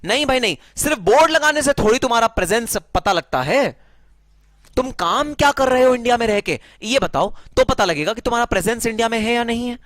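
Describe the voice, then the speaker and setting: A man's voice: very high voice, expressive, fairly quick, fairly bright tone, dry recording, studio quality, pitched above the performer's own voice. A man playing a stern scolding official. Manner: scolding, dismissive. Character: stern male government official refusing a claim.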